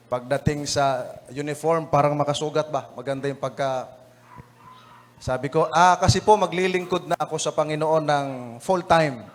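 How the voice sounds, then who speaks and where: An evangelist with a Filipino accent delivers a lesson-review sermon packed with funny anecdotes. His voice is on the high side, and he is chatty and laughs often, frequently addressing the brethren as "mga kapatid."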